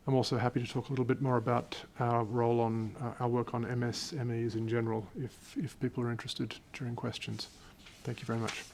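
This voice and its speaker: Male panelist, monotone, plain and brief delivery. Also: medium pitch, a little fast, slight background noise. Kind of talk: panel talk.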